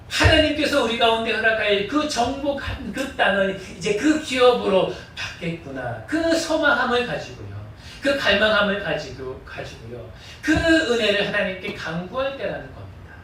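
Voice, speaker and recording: In a church sanctuary, a male pastor preaches a sermon with a high, bright, forceful voice, earnestly leading the congregation through repeated call-and-response prompts. The recording is echoey and distant-miked, with slight background noise.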